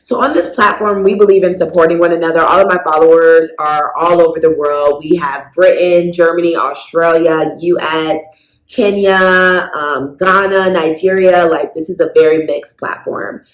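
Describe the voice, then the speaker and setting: A woman's voice: fairly low pitch, normal speed. Curious american woman interviewing in an echoey room. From United States. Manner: relaxed, curious, chatty questions. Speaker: interviewer and vlogger. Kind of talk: casual interview chat. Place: room in Kenya.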